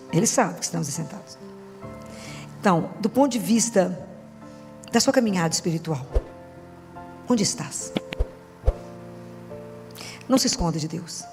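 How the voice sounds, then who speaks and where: A woman preacher with a Brazilian Portuguese accent giving a conversational sermon in colloquial, teasing language, often asking rhetorical questions. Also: mid-range voice. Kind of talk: conversational sermon with acted-out dialogue. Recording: long hall reverb with music behind.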